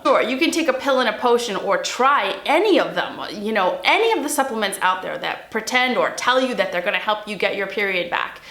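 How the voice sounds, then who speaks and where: A woman's voice: a little high, fairly bright tone, roomy sound. A young adult woman, a recovery mentor, giving blunt, emphatic tough-love advice straight to camera. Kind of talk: direct-to-camera advice vlog.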